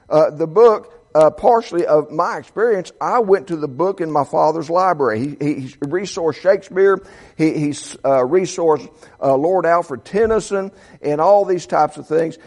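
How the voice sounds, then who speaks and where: Seventy-year-old man preaching, halting restarts. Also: fairly high pitch, a little mellow. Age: 70s. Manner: reads quotes aloud, frequent stammered restarts. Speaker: pastor. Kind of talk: sermon.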